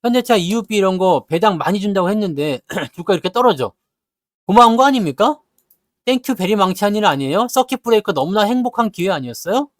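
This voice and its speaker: Blunt Korean stock commentator, lively pitch. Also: male voice, dry recording, studio quality. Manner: blunt, scolding rhetorical questions; acts out investors' grumbling in quick asides. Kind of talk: lively market talk to viewers.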